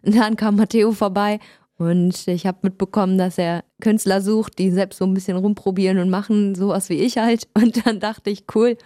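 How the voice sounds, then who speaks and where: A woman's voice: mid-range voice, fairly even intonation, normal speed, mellow, dry recording, clean studio sound. A young woman from Germany, a singer, answering interview questions in a friendly way with simple short sentences. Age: young adult. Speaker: singer, guest.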